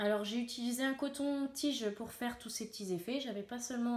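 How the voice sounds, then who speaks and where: Ordinary pitch variation and a moderate pace from a woman's voice. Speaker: coloring hobbyist youtuber. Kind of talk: casual show-and-tell vlog. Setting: at home, shutters closed. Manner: hesitant, many fillers.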